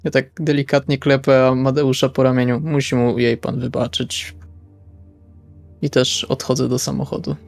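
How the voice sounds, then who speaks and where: A man's voice: mid-range voice, little pitch movement, moderate pace, creaky, no echo. A man playing in a tabletop role-play session, improvising casually in and out of character, informal and sweary. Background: faint music.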